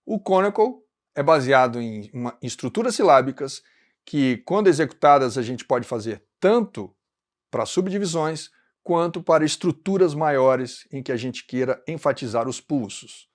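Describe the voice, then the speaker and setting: A man's voice: mid-range voice, animated, normal speed. A Brazilian man with a Brazilian Portuguese accent, teaching an online music lesson and explaining rhythm step by step. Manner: explanatory, chants rhythm syllables.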